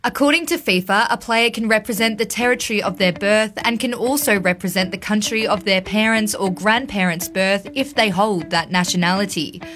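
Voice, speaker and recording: A woman's voice: medium pitch, moderate pace, hardly any pauses, fairly bright tone. A woman reading a scripted news report as narration. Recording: music bed behind voice. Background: music.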